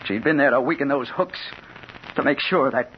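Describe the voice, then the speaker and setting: An actor playing a hard-boiled crime reporter narrating in 1940s radio style. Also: male voice, mid-range voice, moderate pace, slight background noise, lightly acted. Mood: brooding. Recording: dull old radio broadcast.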